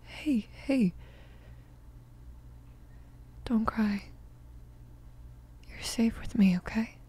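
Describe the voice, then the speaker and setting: A woman playing a tender, flustered mafia boss in an ASMR roleplay, speaking softly and haltingly, often near a whisper. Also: a little high, full character voice. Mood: soothing, protective. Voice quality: soft, creaky, breathy whispering at times. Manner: hesitant, reassuring, halting. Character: protective young female mafia boss, tender, flustered, apologetic.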